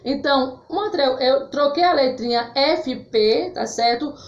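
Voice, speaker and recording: A woman teacher giving a grammar lesson to children in Brazilian Portuguese, spelling out words carefully and checking in with "tá certo?", calling her pupils "my loves.". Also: sits high. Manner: slow, clearly spelled-out words with frequent "tá certo?" check-ins; affectionate, calls pupils "meus amores". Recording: echoey room, slightly dull sound.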